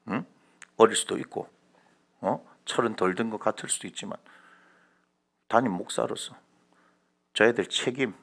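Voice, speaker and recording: Gravelly, animated Korean man preaching a sermon. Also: on the low side. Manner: colloquial and dramatic, swinging from hushed asides to shouting. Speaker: senior pastor. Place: church sanctuary.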